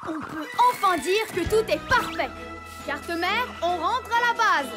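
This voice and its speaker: A woman's voice: extremely high pitch, lively intonation, a little slow. A woman playing a brave, eager little alien boy who leads a patrol in a children's cartoon, speaking in an earnest, emphatic way. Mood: pleased. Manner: emphatic, earnest, proclaims slogans. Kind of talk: animated children's cartoon dub. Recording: music behind the voice.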